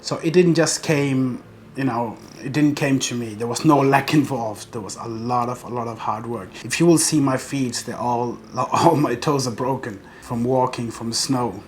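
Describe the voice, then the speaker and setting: A man's voice: mid-range voice, moderate pace, a little hiss or hum. Earnest, determined man from Afghanistan. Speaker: professional bodybuilder. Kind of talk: personal interview monologue.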